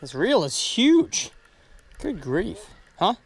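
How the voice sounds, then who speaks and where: Young male fishing vlogger, excitable and chatty, out on a boat, on a chest-mounted camera. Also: high voice, slow pace, husky. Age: young adult. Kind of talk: casual fishing vlog. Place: outdoors on a fishing boat on a lake.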